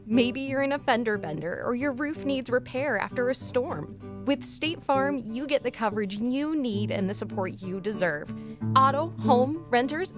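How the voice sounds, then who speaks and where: A woman announcer reading a scripted sponsor advertisement for radio. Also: on the high side. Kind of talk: scripted radio commercial read. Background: guitar music.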